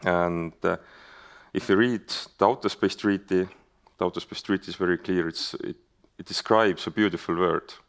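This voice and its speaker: A man's voice: sits low, steady tone, moderate pace. A man with an Estonian accent moderating a conference panel, speaking hesitantly with many fillers and restarts. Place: conference hall stage.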